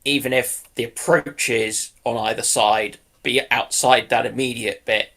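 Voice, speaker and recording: A man's voice: mid-range voice, steady tone, measured pace, pushed and bright. A man on a panel, speculating casually and somewhat hesitantly as he thinks aloud.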